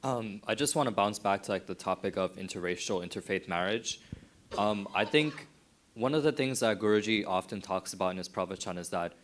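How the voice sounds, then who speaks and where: A man's voice: on the low side, brisk, a little hiss or hum. A young man with an American accent, a student earnestly giving his opinion at a youth dialogue. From United States. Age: young adult.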